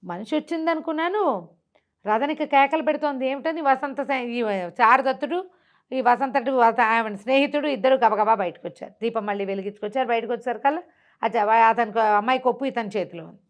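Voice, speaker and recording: A woman's voice: a little high, a little fast. Woman storyteller, conversational and explanatory. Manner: conversational, explanatory, repeats phrases, acts out quoted dialogue. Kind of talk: unscripted oral storytelling of a classical tale.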